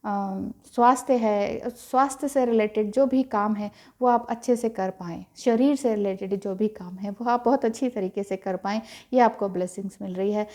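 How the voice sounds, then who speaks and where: A woman giving a gentle, reassuring tarot reading and mixing in English phrases. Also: mid-range voice, steady tone, normal speed, few pauses. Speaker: tarot reader.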